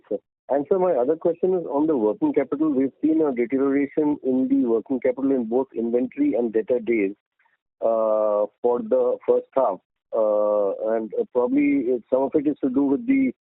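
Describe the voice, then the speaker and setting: A man's voice: medium pitch, wildly swooping pitch, moderate pace, vocal fry, no room sound. A man asking formal, polite questions as an analyst on an earnings call. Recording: dry, narrow phone line.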